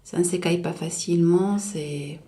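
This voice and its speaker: A woman reviewing nail polish in a casual, chatty way, hesitating often and correcting herself, slowing down to spell out each shade name. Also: fairly low pitch, dark tone. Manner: chatty, hesitant, full of filler and self-corrections; slows down to read out shade names. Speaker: beauty vlogger.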